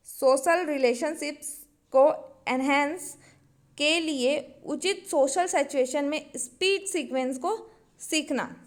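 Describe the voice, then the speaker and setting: High-voiced woman teaching a lesson. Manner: explains step by step, often checking in with the class; reads definitions from notes, then restates them simply. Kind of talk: exam-prep lecture.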